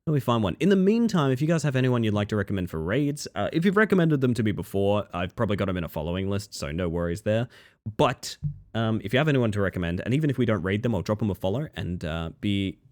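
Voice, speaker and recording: Male streamer, tired crackly voice, casual rambling sign-off, low voice with animated swings. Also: quick pace. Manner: friendly, rambling, thanks viewers. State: sleepy, crackly voice.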